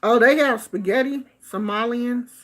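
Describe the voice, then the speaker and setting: A middle-aged woman from the United States telling a casual story in a chatty, expressive way, acting out the people she quotes. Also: a little high, measured pace. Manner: chatty, expressive, animated quoting of others. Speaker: vlogger. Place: Bay Area.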